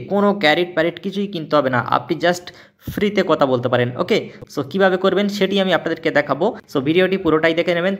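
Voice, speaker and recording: A man voices over a phone tutorial at a very rapid clip. His voice sits a little high for a man. He explains each step emphatically, repeating himself like a keen salesman and dropping in English words. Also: a bit bright. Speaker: tech tutorial YouTuber. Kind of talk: tutorial voice-over for a screen recording.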